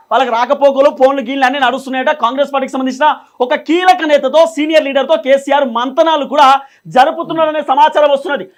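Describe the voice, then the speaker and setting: Male Telangana Telugu news commentator, strikingly high pitch, brisk, emphatic explainer who repeats key points. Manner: emphatic, repetitive, poses and answers own questions. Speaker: news presenter. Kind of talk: explanatory political commentary at a board.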